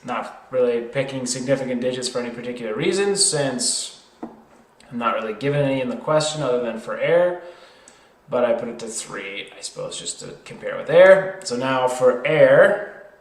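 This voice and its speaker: A man's voice: mid-range voice, expressive, normal speed, reverberant, rough recording. A man working through a problem as an informal tutor, hesitant, thinking aloud and correcting himself.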